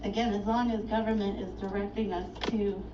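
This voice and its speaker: A woman's voice: mid-range voice, little pitch movement. Agitated woman arguing at a court counter. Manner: agitated, indignant, rapid-fire complaining. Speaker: self-represented litigant filing a case. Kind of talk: filmed argument at a court clerk counter. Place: courthouse clerk's counter indoors. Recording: echoey, distant, muffled and noisy.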